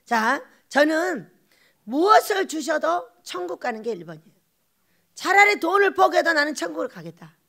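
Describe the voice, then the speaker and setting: High, animated woman pastor preaching. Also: moderate pace. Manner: animated preaching with rhetorical questions and laughing asides. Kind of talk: sermon.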